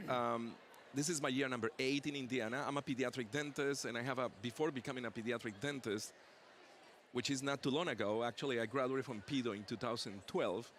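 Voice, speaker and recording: A man's voice: mid-range voice, brisk, fairly bright tone, slight background noise. A man, a pediatric dentist and professor, talks as an interview guest, joking playfully about his own pronunciation, recorded in a busy convention exhibit hall. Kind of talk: casual interview chat.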